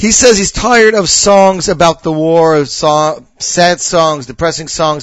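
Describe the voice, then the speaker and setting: Speaking with an American accent, a man uses a plain, everyday voice that sits fairly high in pitch and shows ordinary pitch variation. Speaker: radio music show host. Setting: studio. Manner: upbeat, hype-building announcer reading song credits with showman flourishes; peppers English with Yiddish and Hebrew words.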